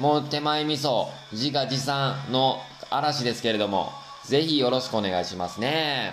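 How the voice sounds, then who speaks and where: A man's medium-pitched voice in a Kansai accent, at a fairly slow pace with ordinary pitch variation, plus audible room echo and noticeable background noise. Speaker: podcast host. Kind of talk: casual monologue. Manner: halting, many fillers; relaxed, rambling.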